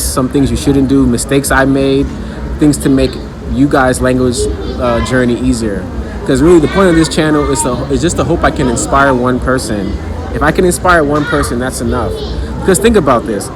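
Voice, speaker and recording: A man's voice: medium pitch, noisy background. A man in his thirties talking casually and earnestly to his viewers about learning languages, with many restarts. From United States. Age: 30s. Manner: earnest, motivational, talks in restarts. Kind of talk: casual vlog monologue. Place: outdoors, then a restaurant.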